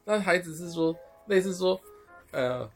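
A man's voice: high-pitched, faint music behind. Taiwanese-accented man chatting, repeating himself. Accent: Taiwanese Mandarin. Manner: halting, repeats words while explaining. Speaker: podcast co-host. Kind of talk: casual chat.

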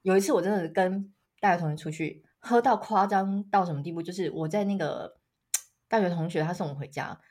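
A woman's voice: fairly low pitch, brisk. A woman in her thirties with a Taiwanese Mandarin accent, co-hosting a casual podcast chat and acting out quoted lines as she tells stories. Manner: animated storytelling, acts out quotes, laughs often. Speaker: podcast co-host.

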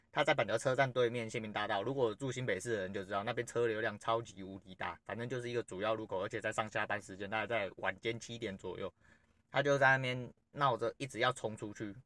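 A man's voice: fairly low pitch, fairly bright tone, no room sound. A man hosting a podcast, telling a personal story in a blunt, rambling way and swearing freely. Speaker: podcast host. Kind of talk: casual storytelling monologue.

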